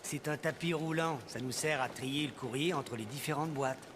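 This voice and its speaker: A man's voice: a little high, moderate pace, very noisy, lightly acted. A man playing a kindly postman who explains things in a friendly way in a children's cartoon. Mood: kindly, helpful. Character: kindly, helpful adult postman.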